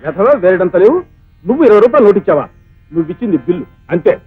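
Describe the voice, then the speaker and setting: A rapid-fire scolding hotel owner. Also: male voice, high-pitched, expressive, breathy edge. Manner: scolding, accusing. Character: irate, stingy male hotel owner. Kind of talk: Telugu film drama acting. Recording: dry, tinny lo-fi film audio with faint music.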